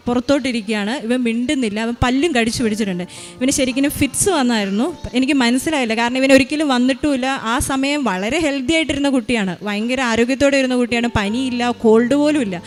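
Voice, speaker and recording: A woman in her thirties, a mother giving a personal faith testimony, rushing through it with frequent hesitations and restarts. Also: on the high side. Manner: rushed retelling with many restarts and hesitations.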